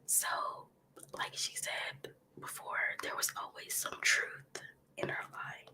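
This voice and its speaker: Woman, ASMR host, slow breathy whisper, bright and sniffly. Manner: soft whisper with frequent ums and likes. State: getting over a cold, sniffling. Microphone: close ASMR microphone.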